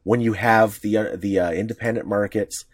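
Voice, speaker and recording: A man's voice: steady tone, normal speed, no echo. Dry-sounding rambling man on a podcast. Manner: rambling, with restarts and sudden jumps in pitch. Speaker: podcast co-host. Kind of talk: casual podcast discussion.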